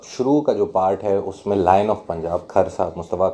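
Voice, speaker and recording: The speaker is a man. His pitch is fairly low. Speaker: book reviewer. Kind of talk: book review monologue. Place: home room.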